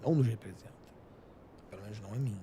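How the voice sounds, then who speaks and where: A man's voice: lowish voice, rapid-fire, vocal fry, mellow, a little hiss or hum. A middle-aged man with a Carioca accent, a chef talking passionately and emphatically as a guest in a radio studio. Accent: Carioca Portuguese. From Rio de Janeiro, Brazil. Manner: passionate, emphatic, gesturing a lot. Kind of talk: casual studio talk.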